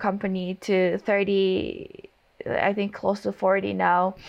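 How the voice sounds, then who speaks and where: A woman speaks with a Japanese accent. Her pitch is medium and her pace fairly slow. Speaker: data and operations lead at a tech startup. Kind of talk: interview.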